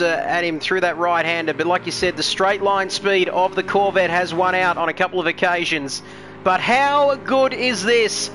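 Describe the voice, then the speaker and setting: A chatty man calls a racing live stream, cracking jokes and reading out viewer comments. His voice sits high for a man. A steady noisy hiss runs under the recording. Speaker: race commentator.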